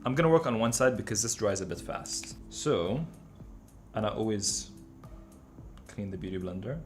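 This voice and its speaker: A man with a lowish voice talks through his makeup routine while he works on a client's face. His manner is relaxed and chatty, with quick self-corrections. Soft music plays faintly behind him. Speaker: makeup artist.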